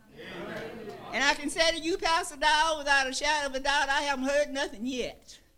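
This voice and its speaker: Noticeable background noise accompanies talking that runs fairly quickly. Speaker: elder church member. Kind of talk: testimony. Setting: church.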